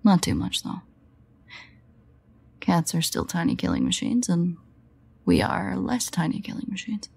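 A woman playing a sardonic, guarded but fond vampire in an intimate audio roleplay, wry and hesitant in manner, with a husky, gravelly voice. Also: lowish voice, huge pitch swings, measured pace, pauses often, a little mellow, full character voice. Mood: teasing.

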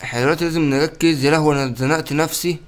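A young man with an Egyptian accent giving excited let's-play commentary, often exclaiming and laughing. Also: on the high side, racing. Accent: Egyptian Arabic. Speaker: gaming YouTuber.

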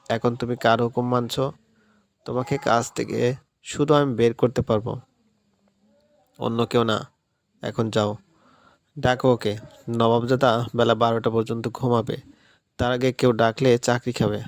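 A bossy rich patriarch, stern and commanding, as a storyteller plays him. His voice is gravelly and dry, at an ordinary male pitch. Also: little pitch movement, unhurried, long pauses, dry recording, natural voice. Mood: irritated. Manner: commanding, irritated. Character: stern older rich father, house owner, bossy.

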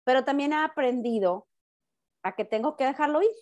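A middle-aged woman with a Mexican accent talks in a loud, high voice that sounds close to shouting. She chats casually as a guest on a talk show, often breaking off and repeating herself. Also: a little fast. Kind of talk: casual chat.

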